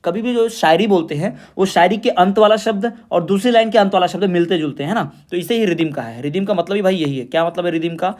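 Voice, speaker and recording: A man with a high voice teaching an exam revision class. He asks the students questions and answers them himself. He slows right down to read definitions word by word. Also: a little mellow. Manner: explains in Hindi, reads definitions slowly in English.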